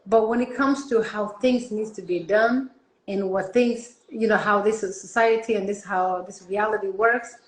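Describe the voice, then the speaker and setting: A woman talking in a relaxed, reflective way, often trailing off softly. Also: medium pitch, normal speed, roomy sound, poor audio. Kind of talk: casual conversation.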